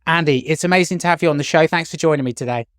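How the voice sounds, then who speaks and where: A man's voice: on the high side, rapid-fire, a bit bright, clear, resonant tone, dry recording, studio quality. A man hosting a podcast, introducing and chatting with a guest in a friendly conversational style. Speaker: podcast host, marketing company chief executive.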